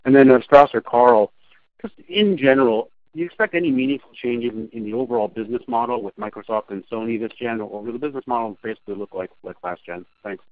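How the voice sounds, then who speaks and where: Fast-talking male analyst on phone line. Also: medium pitch, no room sound. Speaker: financial analyst. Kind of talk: questions on an earnings call. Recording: tinny dry phone line.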